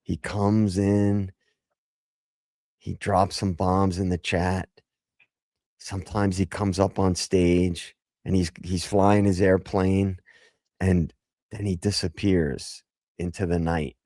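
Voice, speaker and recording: A man hosting a casual livestream, hoarse after a gig, talking loosely and swearing as he jokes with chat. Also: low-pitched, little pitch movement, slow, pauses often, dark tone, no room sound, clean studio sound. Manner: loose and profane, jokey. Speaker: livestream host.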